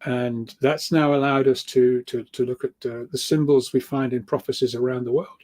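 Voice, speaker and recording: Mellow-voiced man, halting and rambling. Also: mid-range voice, fairly even intonation. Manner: halting, repeats words, rambling, chuckles often. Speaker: guest speaker, researcher of earth energies. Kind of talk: informal spoken explanation of spiritual ideas.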